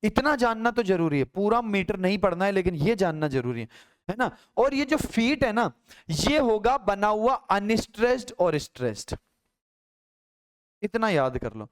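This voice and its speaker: A man's voice: high voice, big pitch swings, measured pace, clean tone. A man teaching English poetry for an exam, explaining step by step and often checking that students follow, with Hindi-accented English. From Rajasthan, India. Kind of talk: classroom lecture.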